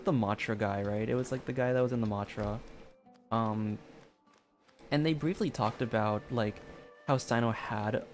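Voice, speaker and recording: A man's voice: medium pitch, a little mellow. A man giving casual, rambling game commentary in a hesitant way, often saying "like". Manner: hesitant, peppered with "like". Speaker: video game streamer. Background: background music.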